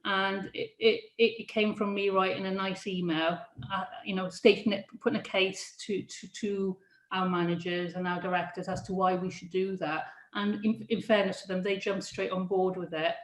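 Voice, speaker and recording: A woman with a steady, mid-range voice chats casually in an echoey room, interviewed about her work as a prison careers adviser. Her speech is halting, with many restarts and laughs.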